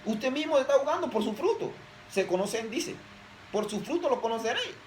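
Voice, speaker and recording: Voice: medium pitch, animated, fairly quick, a little mellow, slight background noise, rough recording. A preacher giving an emphatic sermon, often posing rhetorical questions to the audience.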